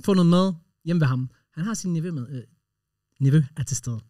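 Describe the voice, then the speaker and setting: A man co-hosting a podcast, telling stories in an excitable, slangy way with English words mixed in. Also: a little high, no echo, clean studio sound, distant mic. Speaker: podcast co-host. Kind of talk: casual storytelling chat.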